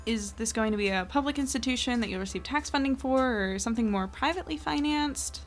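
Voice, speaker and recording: A woman's voice: a little high, fast talker, soft background music, natural voice. A woman playing a polite, inquisitive and slightly awkward reporter in an audio drama, asking questions tentatively. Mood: curious, businesslike.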